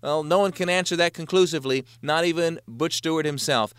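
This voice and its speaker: A man's voice: a little high, brisk, fairly bright tone, clean tone, no echo, clean studio sound. A man with a Jamaican accent hosting an interview, reading an upbeat admiring introduction and then asking questions. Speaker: interview host.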